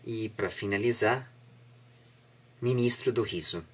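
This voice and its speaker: A man in his twenties with a Brazilian Portuguese accent, hosting an interview and addressing viewers in a deliberate, formal, encouraging way. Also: lowish voice, bright, forceful tone, a little hiss or hum. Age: 20s. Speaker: interview host. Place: living room at home.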